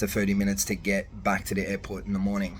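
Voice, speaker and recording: Music plays in the background. A man with an Australian accent speaks at a fairly low pitch. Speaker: travel vlogger. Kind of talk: casual talk to camera.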